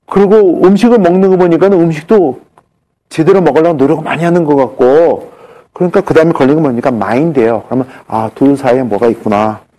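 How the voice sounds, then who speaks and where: A man's voice: fairly high pitch, quick pace, mellow, muffled recording. A man giving a live seminar lecture, telling stories animatedly and acting out the dialogue.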